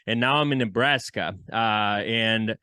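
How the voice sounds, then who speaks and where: A man from El Salvador, a musician and entrepreneur, telling his story in a relaxed, friendly way as a podcast guest. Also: fairly low pitch, a little slow, clear, resonant tone, dry recording, clean studio sound. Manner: relaxed, friendly, with frequent fillers. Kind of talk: casual interview storytelling.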